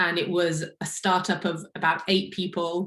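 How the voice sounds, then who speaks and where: A woman with an English accent and a fairly low pitch. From England, Oxford. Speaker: research scientist. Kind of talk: career talk webinar presentation. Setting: webinar.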